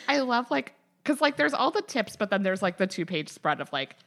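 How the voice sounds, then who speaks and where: A woman co-hosting a casual podcast chat, animated and laughing, acting out her own reactions in quotes. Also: on the high side, normal speed. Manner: animated, laughing, quotes herself in exaggerated asides. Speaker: podcast co-host.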